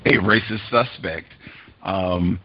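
A man's voice: sits low, takes it slowly, breathy edge, muffled recording. A male host who questions a guest directly, cutting in and reading passages aloud. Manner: direct, interjecting, reads quotes aloud. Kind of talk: interview questions.

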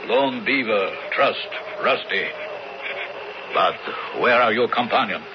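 A man's voice: lowish voice, takes it slowly. An actor playing a wary, devout Native American man in a radio drama, speaking solemn, formal broken English. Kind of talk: 1970s radio drama acting. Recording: muffled noisy old radio broadcast.

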